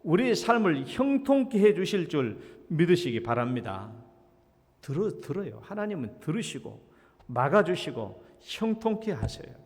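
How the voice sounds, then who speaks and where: A middle-aged man preaching a sermon as senior pastor, swinging between loud exhortation and quiet storytelling. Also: a little high, big pitch swings, normal speed. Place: church sanctuary. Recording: long hall reverb.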